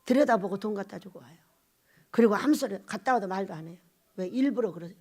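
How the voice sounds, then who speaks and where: A woman pastor preaching a Sunday sermon, swinging from loud, emphatic exhortation to hushed asides and asking the congregation short questions. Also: mid-range voice, fast.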